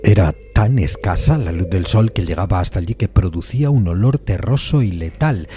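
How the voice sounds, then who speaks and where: Very deep-voiced man narrating a suspense tale. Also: lively intonation, dark tone, soft background music. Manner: measured, literary storytelling. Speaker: narrator of an audio fiction adaptation. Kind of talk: scripted dramatic narration of a classic suspense tale.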